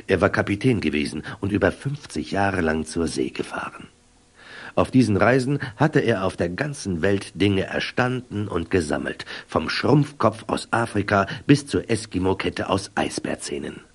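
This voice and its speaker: An actor narrating a children's adventure audio drama as storyteller, with a husky voice. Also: male voice, sits low, animated, normal speed, full character voice.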